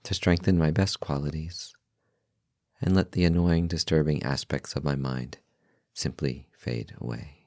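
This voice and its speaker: Man, very deep bass voice, guided meditation, calm, gentle, unhurried, long pauses, dry recording. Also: no echo. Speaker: meditation guide, podcast host.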